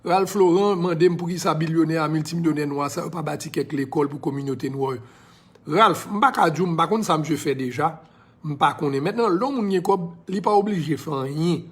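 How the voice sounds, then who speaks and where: A social media personality speaks with a Haitian accent directly to viewers on a casual live stream, moderate in pace but impassioned and preachy. His voice runs a touch higher than most men's, and he sprinkles in English phrases.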